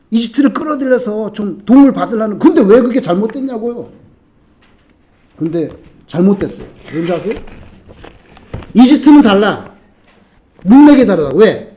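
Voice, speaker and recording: A middle-aged man preaching a sermon as pastor, with animated delivery that swings from soft asides to loud emphatic outbursts. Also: sits high, normal speed, pauses often. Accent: Korean.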